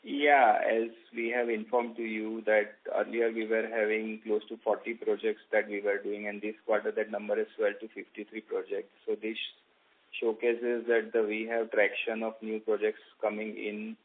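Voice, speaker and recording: A man with an Indian accent speaking as a company executive on an earnings call, in halting, formal, measured phrases. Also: fairly low pitch, little pitch movement, slight background noise. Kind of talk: earnings call presentation and answers. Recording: dull band-limited conference call audio.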